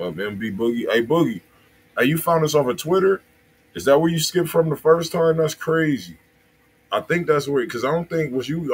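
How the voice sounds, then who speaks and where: A man in his thirties with an American accent, hosting a livestream in casual, slangy chat, speaking straight to his viewers. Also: on the low side. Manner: slangy, conversational, addressing viewers directly. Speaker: music review livestream host. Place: indoors, small room. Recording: noisy livestream room sound.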